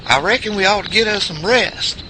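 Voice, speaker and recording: A man playing an excitable backwoods country sidekick with a rural Southern US accent in an audio drama. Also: high-pitched, moderate pace, background noise, natural voice. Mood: doubtful.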